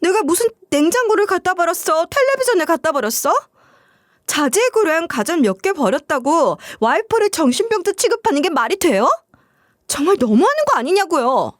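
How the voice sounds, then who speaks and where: A woman's voice: high voice, very animated, moderate pace, dry recording, studio quality. A woman voicing a young wife who is easily hurt and answers defensively and plaintively.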